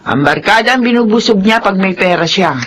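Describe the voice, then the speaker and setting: A woman's voice: medium pitch, expressive, a little fast, fairly bright tone, slight background noise, close to an everyday voice. An older woman playing a disapproving grandmother.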